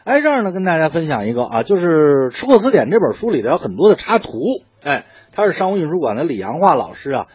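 A man with a Beijing accent talks in a colloquial, storytelling way, often posing a question and answering it himself. His voice is husky and swings widely in pitch. The sound is dry and somewhat muffled. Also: big pitch swings, fast, hardly any pauses, no room sound. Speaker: food writer guest explaining dishes. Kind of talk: conversational explanation of traditional cooking.

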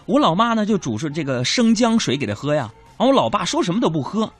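A man's voice: sits high, sing-song, fast, dry recording, soft background music. A man hosting a show, telling comic stories about his family in a chatty, joking, mock-grumbling way. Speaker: comedy show host. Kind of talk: comic storytelling monologue.

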